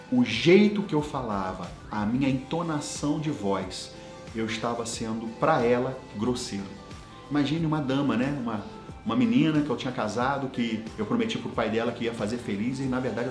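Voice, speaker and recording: A man's voice: mid-range voice, moderate pace. Male coach, thirties, storytelling motivational talk, echoey room, faint music underneath. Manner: personal storytelling with lively quoted dialogue. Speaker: business coach and consultant.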